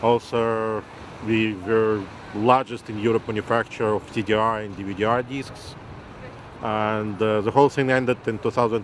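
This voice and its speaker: Through noticeable background noise, a man with a Russian accent speaks at a moderate pace, his fairly low pitch kept in fairly even intonation. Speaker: businessman interviewee. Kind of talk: interview. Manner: halting, many fillers.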